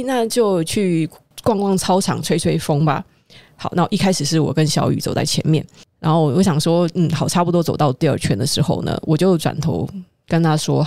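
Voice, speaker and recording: A woman hosting a podcast, recounting a personal memory in a conversational way, acting out the quoted lines with lively shifts and asking listeners rhetorical questions. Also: sits low, vocal fry, dry recording, studio quality. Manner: animated, acts out quoted dialogue. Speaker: podcast host.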